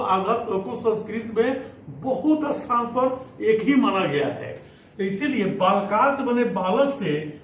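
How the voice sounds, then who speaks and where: Slow high-voiced man teaching Sanskrit. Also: recorded from a distance. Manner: slow, repeats words, frequent 'है ना' checks. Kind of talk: classroom lesson explaining Sanskrit text. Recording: echoey room, voice from away from mic, faint hiss.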